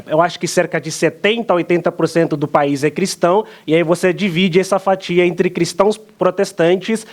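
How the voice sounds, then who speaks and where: A man from Angola speaks with an Angolan Portuguese accent worn down by long years in Brazil. His voice sits notably high for a man. He answers in a studio interview, calm and explanatory, often pausing on a drawn-out "ah". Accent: Angolan Portuguese, partly softened by years in Brazil. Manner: measured, explanatory, with frequent "ah" pauses. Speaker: pastor and guest.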